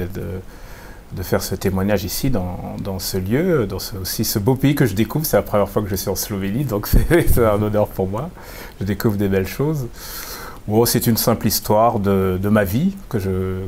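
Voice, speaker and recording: Low-voiced man telling his story, halting. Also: darkish tone, slight background noise. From France. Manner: halting, repeats words, many fillers. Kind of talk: personal testimony in an interview.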